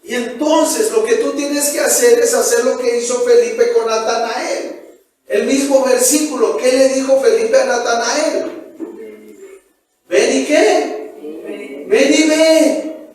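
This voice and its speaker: A male pastor with a Mexican Spanish accent preaching a lively sermon, asking his congregation questions and acting out the voices he quotes. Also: extremely high pitch, a little slow. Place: church hall. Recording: echoey church room, mic at a distance.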